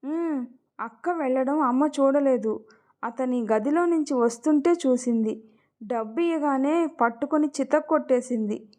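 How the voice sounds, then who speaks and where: A woman voicing a timid young daughter who speaks in a hushed, secretive way. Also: sits high, normal speed, natural voice.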